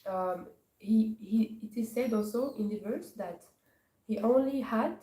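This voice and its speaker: A woman from Morocco gives a scripture class, pausing often and searching for her words. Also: a little high, mellow. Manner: hesitant, searching for words with many pauses. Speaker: class speaker. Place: temple hall. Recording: echoey hall from far off, faint noise.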